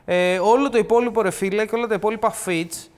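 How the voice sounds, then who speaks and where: Young man, high and smooth, casual slangy podcast talk, interrupts freely. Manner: slangy, interrupts, mixes English words.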